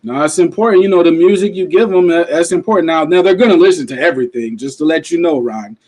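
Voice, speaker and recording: A man co-hosting a hip hop talk show, chatting in an opinionated way with quick bursts of speech. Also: fairly high pitch. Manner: animated, opinionated, fast bursts. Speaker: podcast co-host. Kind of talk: casual chat.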